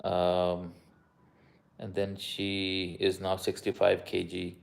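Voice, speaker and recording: A man's voice: low-pitched, monotone, slow, gravelly. A man with a South Asian accent, a doctor chatting casually on a live stream, switching between Urdu-Hindi and English mid-sentence. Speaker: doctor answering live viewer questions.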